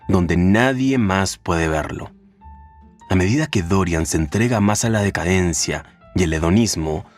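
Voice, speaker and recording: A man giving a scripted, measured narration of a classic novel's summary and analysis, over faint background music. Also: low-pitched.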